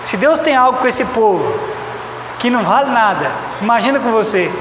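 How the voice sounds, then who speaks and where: In a reverberant church hall, a Brazilian man preaches at a moderate pace with a very high, expressive voice. He repeats his points emphatically and speaks directly to the congregation, while the echo-laden recording picks up loud background noise.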